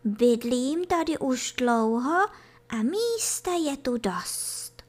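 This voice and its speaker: A tiny male slow-worm with a weak, high little voice, as a woman puts it on. He is meek and quick to apologize, a small creature from a children's storybook. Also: animated, a little mellow. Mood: sleepy. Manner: faint, apologetic. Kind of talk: storybook reading.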